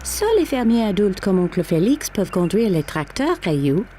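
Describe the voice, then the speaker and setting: A woman voicing a gentle, patient mother in a children's cartoon dub, explaining things simply to her child. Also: mid-range voice, big pitch swings, normal speed, a little hiss or hum, close to an everyday voice. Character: gentle, patient young mother of a small boy.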